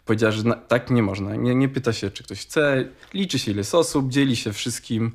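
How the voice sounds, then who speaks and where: A man from Poland, around forty, recalling family memories in a halting, thinking-aloud way. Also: mid-range voice. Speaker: interviewee, relative of former scouts. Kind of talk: personal reminiscence.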